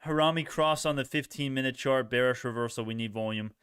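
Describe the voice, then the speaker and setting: A man's voice: mid-range voice, a little fast, a bit bright, clear, resonant tone, no echo, clean studio sound. A young man hosting a casual live stock-trading stream, reacting to chat in informal bro slang and often repeating himself as he thinks aloud. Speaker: livestream host, retail stock trader.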